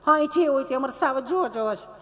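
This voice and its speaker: A man's voice: very high voice, lively intonation, quick pace, sharp tone, big-room sound, voice pushed up, full character voice. A man voicing a prim, overeducated city woman tourist with affected, precise diction. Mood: fussy.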